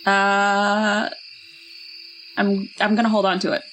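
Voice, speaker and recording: A woman's voice: medium pitch, completely flat delivery, takes it slowly, a bit bright, faint music behind, low-quality recording. A woman player in a tabletop role-playing game, chatting casually and improvising in a laid-back, hesitant, slangy way. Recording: faint noise with night insects and owls.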